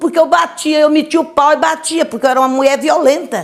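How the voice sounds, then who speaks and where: A woman's high-pitched voice at a fairly quick pace, with music in the background. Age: 70s. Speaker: ex-witch evangelical preacher. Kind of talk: testimony. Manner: animated.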